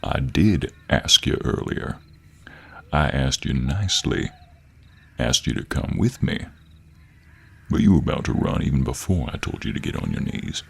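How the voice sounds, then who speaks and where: Man acting out a gruff cowboy monster hunter, extremely low pitch, heavily husky, American drawl, teasing, audio roleplay. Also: lively intonation, moderate pace, long pauses, exaggerated voice. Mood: stern, probing. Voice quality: very deep, gravelly, husky.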